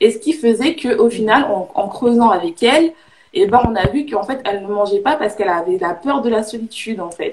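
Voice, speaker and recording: The speaker's intonation is lively and the pace fairly quick, with noticeable background noise behind the voice. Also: woman. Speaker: weight and emotional eating coach. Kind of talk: live video chat. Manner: fast.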